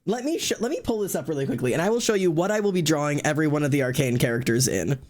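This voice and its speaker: An excitable streamer and artist chatting casually on a live stream. The talk rambles, full of restarts and offhand swearing, at an ordinary middle pitch. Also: rapid-fire. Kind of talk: casual chat.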